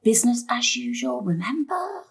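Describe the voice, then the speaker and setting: Brisk, bossy mother, higher-pitched, lively. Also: vocal fry, husky, exaggerated voice. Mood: prim. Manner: brisk, organising, prim. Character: brisk, bossy, long-suffering middle-aged mother, music teacher. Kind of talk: stage-thriller audio drama acting.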